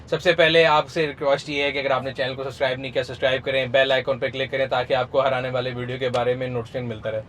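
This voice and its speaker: A man's voice: mid-range voice, little pitch movement, hardly any pauses, a bit bright, a little hiss or hum. A man with a Pakistani accent hosting a casual car review outdoors, joking and chatty with his guest. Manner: joking, chatty, self-deprecating. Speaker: host.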